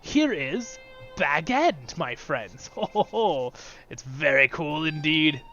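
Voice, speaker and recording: A man's voice: on the high side, big pitch swings, slow, highs cut off, soft background music. A man hosting his channel, giving casual, chatty commentary while playing a fantasy game. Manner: upbeat, chatty, drifts into softer asides. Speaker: YouTube channel host.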